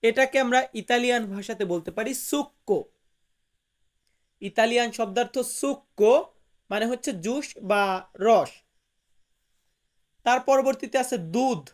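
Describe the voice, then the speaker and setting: Man teaching vocabulary slowly. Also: very high-pitched. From Bangladesh. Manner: slow, repeats each word and its meaning with emphasis. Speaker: language teacher. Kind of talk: vocabulary lesson for viewers.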